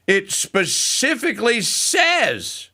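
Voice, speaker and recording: A middle-aged man from Louisiana, hosting a casual talk radio show, rambling and digressive with lots of fillers and restarts. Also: drawn-out words. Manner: animated pitch swings.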